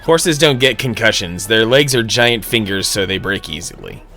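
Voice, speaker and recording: A man streams a video game and talks through it in a playful, sarcastic way, swearing now and then. His voice sits on the low side but sounds bright and sharp. It jumps around with lively pitch, with faint game music underneath. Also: normal speed. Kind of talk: live gameplay commentary.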